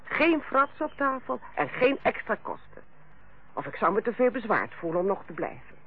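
Radio drama role: strict, fussy ward sister, high animated delivery, husky edge, dull old recording. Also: female voice, normal speed, full character voice. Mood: stern, proud. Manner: bossy, precise, matter-of-fact. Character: strict, fussy senior hospital nurse, Carla, on holiday. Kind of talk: old Dutch radio play acting.

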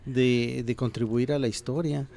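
A man's voice: medium pitch, fairly even intonation, moderate pace, creaky, a little mellow. A man co-hosting a casual talk show, making quips and chiming in often. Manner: joking, affirming interjections. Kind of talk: casual radio chat.

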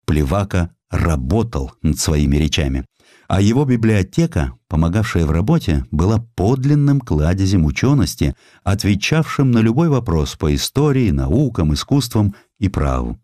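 A man's voice: deep voice, very animated, moderate pace, mellow, no room sound, clean studio sound. A man narrating historical sketches as a theatrical storyteller in a dramatized audiobook.

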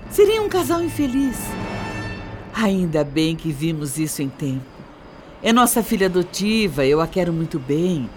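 A scheming, persuasive Brazilian mother in a radio soap. Her pitch moves widely as she argues in measured, emphatic phrases. Music plays under her voice. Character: shrewd, persuasive middle-aged wife and scheming mother. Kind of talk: radio soap opera acting.

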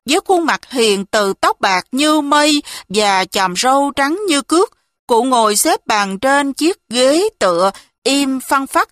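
Brief: woman narrator, high pitch, slow emotional first-person storytelling. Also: fairly bright tone, no room sound, clean studio sound.

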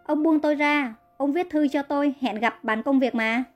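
A woman's voice: high-pitched, normal speed, soft background music, lightly acted. A woman reading the part of a kind young woman who pleads earnestly in a narrated story. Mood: pleading. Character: kind young woman healer, frightened captive.

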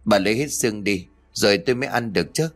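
A man's voice: fairly low pitch, faint music behind, lightly acted. A man doing a snapping, cruel young mother. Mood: scolding. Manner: snapping, rude, fast scolding. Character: harsh young mother, cruel to her mother-in-law.

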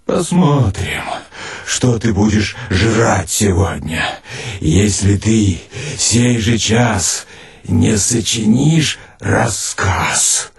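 A man's voice: on the low side, animated, extremely slow, creaky, exaggerated voice. A man voicing a writer's own brains as a bossy, sneering inner critic in a storybook reading. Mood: scornful. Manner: sneering, demanding.

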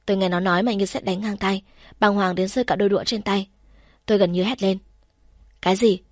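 A woman reading a first-person novel aloud in a calm, steady storytelling manner. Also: mid-range voice, fast, no room sound, studio quality. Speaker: audiobook narrator.

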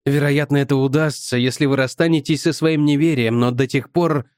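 A man voicing a weary, calm old male professor in an audiobook, low and unhurried. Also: smooth, no room sound, clean studio sound, natural voice. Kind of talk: audiobook character voice.

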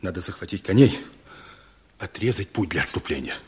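An actor playing a calm, businesslike detachment commander with a husky voice in a radio drama. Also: male voice, low voice, fairly quick, heavily acted. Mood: calm authority. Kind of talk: Soviet radio drama acting.

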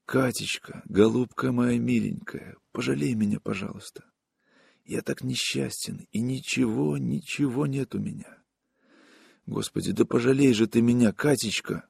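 A man voicing a drunk, weeping young man who pleads in a hushed, near-whispered voice. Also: on the high side, animated, takes it slowly, slightly rough, no echo, studio quality, pitched above the performer's own voice, full character voice. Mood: pleading.

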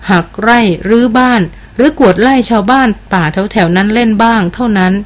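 A woman reading the part of a seasoned male jungle hunter, polite and measured in an audiobook. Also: mid-range voice, lightly acted.

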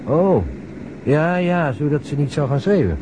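An actor playing a reflective, questioning police detective in a naturalistic radio drama, musing aloud and probing with short questions. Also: male voice, on the high side, expressive, measured pace, background noise.

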